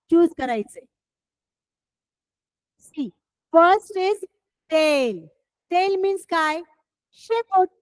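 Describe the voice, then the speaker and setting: A woman teacher with a Marathi accent guides children through an English lesson. She speaks at an unhurried, deliberate pace in a high voice and keeps repeating her questions to the class. The recording is dry and close to the mic. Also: a little mellow, dry recording, poor audio. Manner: slow, deliberate explanations with repeated questions to pupils.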